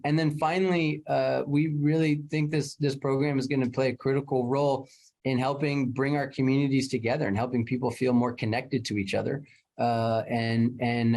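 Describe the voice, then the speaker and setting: A man's voice: medium pitch, a little mellow. A man speaking as a state program official, answering press questions in an earnest way with frequent restarts. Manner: earnest, many fillers and restarts.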